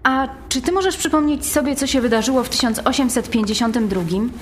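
A woman's voice: high-pitched, a little fast, slight background noise, natural voice. An actress playing an anxious young woman on an urgent mission in a language-learning radio drama, jumpy and full of questions. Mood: curious, focused. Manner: jumpy, questioning, faltering in foreign-language phrases. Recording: music behind the voice.

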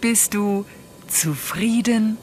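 An actress playing a wry, teasing guide who comments on a traveller in a radio drama. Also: female voice, mid-range voice, extremely slow, darkish tone, a little hiss or hum.

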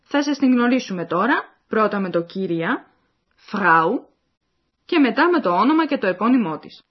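A woman's voice: medium pitch, very animated. A woman reading the scripted narration of a language course, explaining and addressing the listeners. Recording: dull lo-fi recording.

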